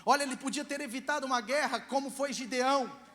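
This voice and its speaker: A man preaching a sermon as pastor at a church service, animated and calling on the congregation to answer back. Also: very high-pitched, fast. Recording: long church hall reverb.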